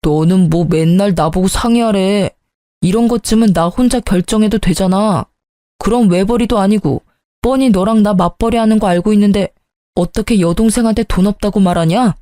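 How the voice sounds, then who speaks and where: A woman's voice: mid-range voice, normal speed, mellow, dry recording, clean studio sound, lightly acted. A woman voicing a defensive, self-justifying young husband in a story reading, brusque and dismissive. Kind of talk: storybook narration.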